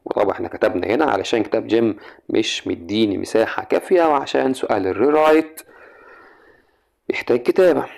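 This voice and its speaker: A man's voice: on the low side, fast, creaky, darkish tone. Young Egyptian man, English teacher, coaxing chatty lesson delivery. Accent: Egyptian Arabic. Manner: chatty, coaxing, asks the student questions. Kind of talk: exam grammar lesson.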